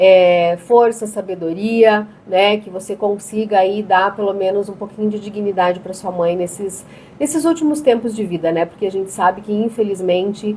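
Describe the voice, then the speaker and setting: A woman's medium-pitched voice at a moderate pace, with ordinary pitch variation, big swings in loudness and noticeable background noise. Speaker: therapist live-streamer. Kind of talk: live stream Q&A chat. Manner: talkative; hesitant, filler-heavy.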